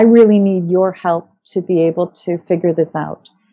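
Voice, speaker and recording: Her voice is an ordinary speaking voice at a medium pitch, with fairly even intonation. The woman speaks in a Canadian accent. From Canadian prairies, Winnipeg. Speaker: cross-cultural consultant. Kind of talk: interview.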